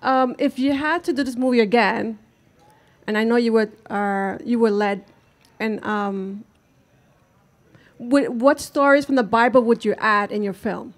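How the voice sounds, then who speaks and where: A woman's voice: a little high, a little slow, long pauses. A middle-aged woman in the audience asking a question, giggly and a little nervous.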